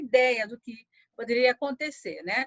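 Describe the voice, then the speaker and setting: Speaking at a moderate pace, a woman with a high-pitched voice keeps her intonation fairly even, the sound dry and close with no echo. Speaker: journalist. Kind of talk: interview.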